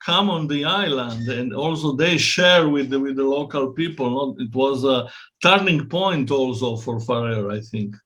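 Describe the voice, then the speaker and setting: A man's voice: medium pitch, normal speed, pushed and bright. A man with an Italian accent hosting an interview, speaking hesitantly in English as a second language with many restarts and fillers. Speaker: interviewer, host.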